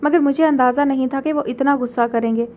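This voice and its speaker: A chatty young man with a teasing manner, read by a woman narrator. The voice sits high above a typical male voice. It comes from a storybook reading. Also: steady tone, fast, a little mellow, dull audio, lightly acted.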